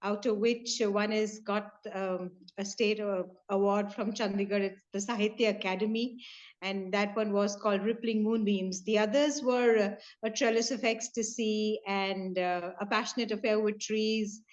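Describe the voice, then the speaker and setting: A woman's voice: mid-range voice, steady tone, moderate pace. A middle-aged woman from north India with an Indian English accent, a Punjabi native speaker, chatting as a poet guest with many fillers and light laughs. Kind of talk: casual video-call chat. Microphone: video call. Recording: dull lo-fi call audio.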